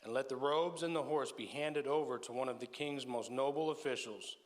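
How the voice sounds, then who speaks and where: Brief: Texan man, church scripture reader, steady and unhurried. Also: medium pitch. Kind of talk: Bible reading in church service.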